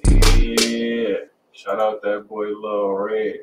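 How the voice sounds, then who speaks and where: A man's voice: on the low side, level tone, drawn-out words. A man, casually chatting as host of a music review livestream. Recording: roomy, distant mic, faint music behind.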